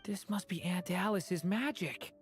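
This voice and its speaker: Soft-spoken young dragonborn; slow, gentle delivery. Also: male voice, sits high, slightly rough, faint music behind, full character voice. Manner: soft, wistful, calm. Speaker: game character.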